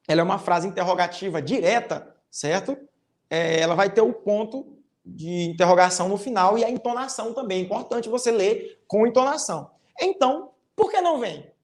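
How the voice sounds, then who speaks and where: In a recorded online class for fifth graders, a teacher with a Brazilian Portuguese accent explains things one careful step at a time. Many phrases end in a tag question, and example sentences are voiced with heavily exaggerated intonation.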